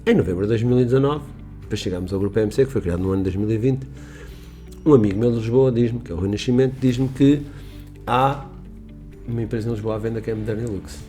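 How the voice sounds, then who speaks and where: A man's voice: on the low side, quick pace, mellow, faint music behind. A middle-aged man from Portugal, a business owner telling stories in a rambling, emphatic way on a radio interview. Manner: rambling, emphatic, with restarts and quoted dialogue. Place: radio studio.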